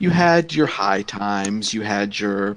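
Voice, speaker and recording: Against a quiet background, a man talks in a normal speaking voice. His pitch is fairly low, with ordinary pitch variation. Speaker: podcast co-host. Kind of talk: casual chat, storytelling.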